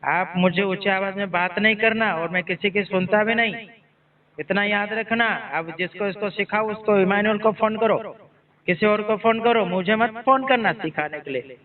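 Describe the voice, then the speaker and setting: A man's voice: high voice, moderate pace. A man, a pastor, talking sternly on a phone call, scolding and repeating himself. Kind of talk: phone conversation. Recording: tinny phone line, far from mic.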